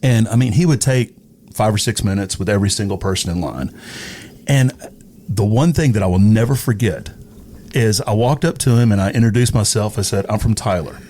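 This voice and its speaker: Low-voiced man telling stories. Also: lively intonation, a little fast, warm tone. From East Texas, USA. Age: middle-aged. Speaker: radio personality, podcast guest. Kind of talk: casual anecdotal storytelling.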